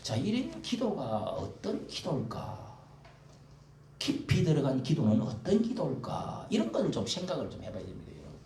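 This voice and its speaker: A man's voice: on the high side, wildly swooping pitch, moderate pace, mellow, slight background noise. A male pastor preaching a sermon in a church, rhetorical and often prodding the congregation. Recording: echoey room, mic at a distance.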